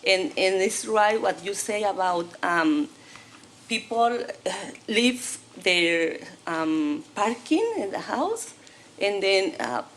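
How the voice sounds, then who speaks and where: A woman giving public comment in halting English, often searching for words. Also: medium pitch, expressive, a little hiss or hum. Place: city council chamber.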